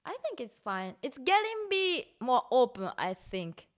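Young woman, Japanese accent, fairly high pitch, animated, chatty stream host, headset mic. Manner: chatty, quick to laugh, with lots of "yeah" and "mm". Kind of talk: casual chat, switching between English and Japanese. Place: bedroom at home.

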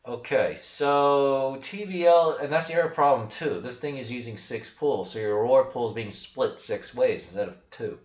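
A man's voice: mid-range voice, normal speed, few pauses. A young man hosting a crypto channel, talking casually over a screen share in a blunt, skeptical, rambling way with restarts. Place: small room indoors. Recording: echoey room, dull lo-fi sound.

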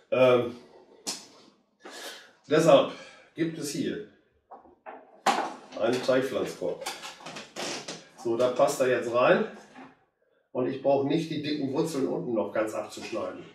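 A hoarse man in his fifties with a cold, chatting casually to viewers as he works on a plant. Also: mid-range voice, measured pace, pauses often, distant mic, background noise. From Germany. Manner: relaxed, chatty, addresses viewers directly. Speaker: bonsai hobbyist. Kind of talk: casual how-to commentary while working. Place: indoor room with curtain backdrop. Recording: very echoey room, voice off-mic.

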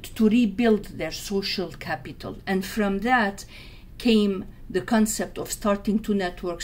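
A woman in her sixties, from Syria and raised in Lebanon, explaining her community work in an interview with many pauses and fillers. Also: on the low side, darkish tone, a little hiss or hum. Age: 60s. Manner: earnest, searching for words with many fillers. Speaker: guest, community organizer.

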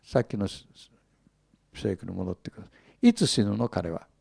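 A man's voice: lowish voice, sing-song, moderate pace, vocal fry, mellow, slightly rough, no room sound, clean studio sound. A man teaching the Bible in a sermon, reading scripture and retelling it with humor and chuckles.

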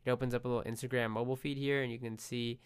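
Congested, fast-talking man. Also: medium pitch, level tone, clean tone. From United States. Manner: chatty, restarts often, friendly asides. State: congested from a cold. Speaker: tech vlogger. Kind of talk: casual screencast walkthrough.

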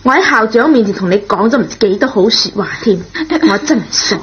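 A woman playing a forgiving, gently reproving schoolteacher in a Cantonese radio drama, with a husky, rough voice. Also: on the high side, lively intonation, fairly quick. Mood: taken aback. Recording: dull lo-fi old radio recording.

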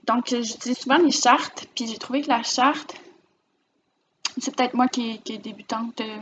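A woman's voice: fairly high pitch, steady tone, moderate pace, dull audio, a little hiss or hum. Chatty Québécois woman knitting vlogger. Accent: Quebec French. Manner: chatty, rambling, warm about her projects. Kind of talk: casual show-and-tell vlog. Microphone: camera mic, filming herself.

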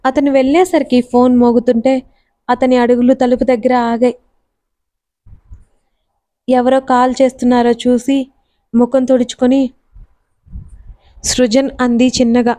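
Woman narrating a story in a flat voice. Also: fairly high pitch, moderate pace, long pauses.

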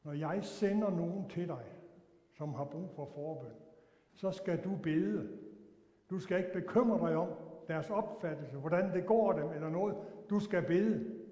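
A preacher voicing the Holy Spirit, giving stern commands to pray. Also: male voice, a little high, warm tone, close to an everyday voice. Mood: commanding. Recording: echoey church hall.

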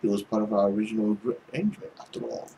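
Dashing young nobleman, acted by a male gamer: low, hushed, hesitant, vain yet polite, visual-novel game reading with clear background noise. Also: steady tone, racing, rough recording. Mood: smooth, polite. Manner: hesitant, soft-spoken.

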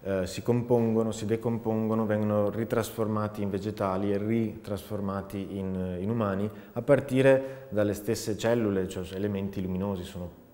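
In an echoey space with long reverb, a man. His voice sits slightly low, and he explains his work thoughtfully, hesitating as he looks for words. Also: steady tone, normal speed, warm tone. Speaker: technical artist and composer. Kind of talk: interview monologue about own artistic work. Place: dark indoor studio, seated.

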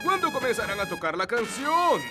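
A man with a Latin American Spanish accent playing a bumbling, courteous fairy king in a cartoon, expressive and blustering. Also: extremely high pitch, moderate pace. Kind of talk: animated cartoon dub. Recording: very loud cartoon music behind.

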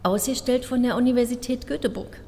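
A woman's voice: fairly high pitch, a little fast, mellow, slight background noise, close to an everyday voice. An actress playing a flippant female crime scene investigator in an audio drama, casual and a little sardonic. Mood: matter-of-fact. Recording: reverberant hall, music underneath.

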